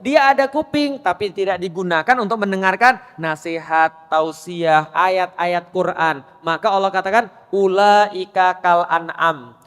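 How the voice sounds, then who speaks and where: A male preacher with a notably high voice, giving a sermon to a gathering of women. He keeps quizzing them with quick questions, and the long echo of a hall hangs behind his words. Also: a bit bright. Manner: quizzes the audience with rapid questions. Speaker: Islamic preacher.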